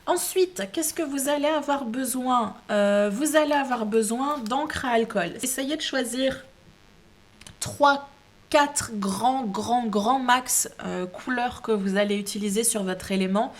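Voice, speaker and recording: A woman's voice: on the high side, a little slow. A woman hosting a casual craft tutorial at home, chatty, with many hesitations and restarts. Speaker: craft video host.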